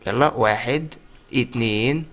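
A man's voice: mid-range voice, measured pace, fairly bright tone. A young man with an Egyptian Arabic accent giving playful, chatty gameplay commentary and talking straight to his viewers. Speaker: gaming YouTuber.

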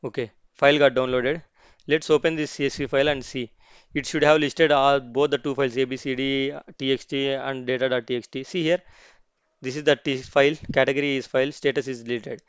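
A man talks through a software tutorial at his computer, narrating every click and often stopping to restart a sentence. His voice is smooth and clear and sits at an ordinary pitch. The recording is dry and a little dull, with no room sound. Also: level tone, a little fast, dry recording. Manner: explains step by step, with many restarts and "okay, see" asides. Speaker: tutorial host.

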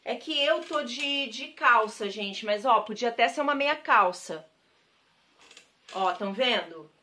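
A Brazilian woman vlogging to camera gushes over her thrift-shop haul, talking straight to viewers and repeating words of praise. Her fairly high voice is animated, bright and forceful, yet she keeps a measured pace.

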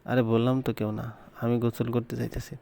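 A man reading the lines of a sarcastic teenage schoolgirl friend in a story, in a flat, blunt delivery. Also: mid-range voice, fairly quick, gravelly, close to an everyday voice.

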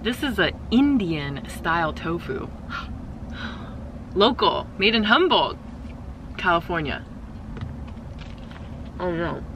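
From a parked car, a woman in her thirties films a casual food-tasting vlog on a dashboard-mounted camera, enthusing over her meal and cooing at her cat. Her lowish voice is sing-song and slow, pausing often, with a noisy background.

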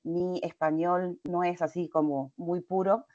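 A middle-aged Argentine woman with a slight Portuguese-tinged accent gives a webinar lecture in a measured, hesitant way, speaking from a home office over a headset. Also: lowish voice, little pitch movement, warm tone, no echo. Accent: Argentine Spanish with some Portuguese mixing. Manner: measured, many hesitations and restarts. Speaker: invited lecturer. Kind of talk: webinar presentation. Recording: dry, dull video-call audio.

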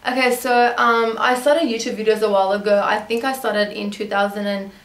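A young woman sits in her bedroom answering viewer questions, rambling along with plenty of ums and restarts. She grew up in Australia, and Armenian is her first language. Her pitch sits mid-range, and the small room adds a clear echo. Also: steady tone, fairly quick. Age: young adult. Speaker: beauty vlogger. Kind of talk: casual Q&A chat.

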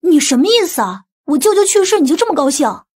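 A woman's voice: high voice, very animated, fast talker, darkish tone. A woman playing a distressed, pleading female employee in an audiobook novel, sounding plaintive. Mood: indignant.

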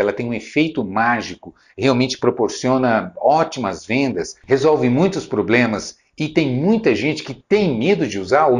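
A man hosting a retail sales lesson, talking conversationally and asking many rhetorical questions. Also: mid-range voice. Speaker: retail sales trainer, channel host.

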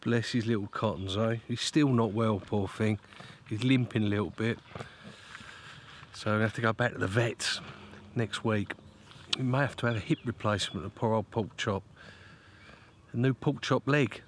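A man's voice: lowish voice, fairly even intonation, moderate pace, pauses often, slight background noise. Middle-aged male vlogger, casual and chatty, close camera mic, faint outdoor ambience. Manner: chatty, repeats "look" often, coos at his dog. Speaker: fishing vlogger. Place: beside a lake, outdoors by a tent. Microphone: handheld camera close to face.

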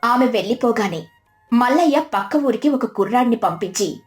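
A woman's voice: on the high side, animated, moderate pace. A woman narrating a scripted village moral tale in storybook style. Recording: music behind the voice.

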